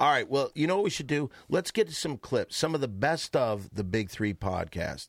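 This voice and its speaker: A man with a fairly high pitch speaks at a moderate pace, his pitch swinging very widely. His voice has vocal fry, and the recording is very clean with a silent background. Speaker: podcast host. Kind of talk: casual comedic banter. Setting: studio.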